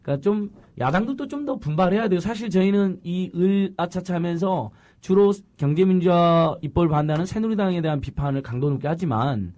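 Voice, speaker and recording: Male political talk host, animated storyteller, mellow tone, lively pitch swings. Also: brisk, hardly any pauses. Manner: animated, with laughter, tells anecdotes.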